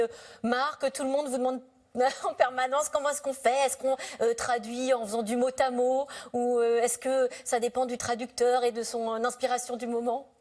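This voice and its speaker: A woman hosting a TV interview, asking lively questions and often laughing. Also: a little high. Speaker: TV show host, interviewer.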